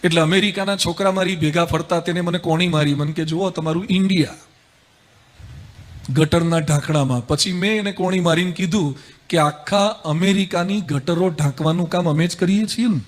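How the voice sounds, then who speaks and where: A man, a Hindu monk, gives a spiritual discourse, telling humorous stories in a lively, rhetorical way. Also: sits high, fairly quick.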